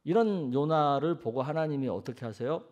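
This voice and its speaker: A male senior pastor preaching a sermon in a colloquial, storytelling manner, acting out scripture with lively emphasis. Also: a little high, normal speed, lo-fi sound.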